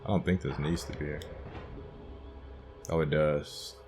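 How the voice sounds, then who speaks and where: A man's voice: very deep voice, fairly even intonation, unhurried, music in the background. A man doing casual let's play commentary, musing and thinking aloud as he works through a video game. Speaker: gamer narrating a playthrough.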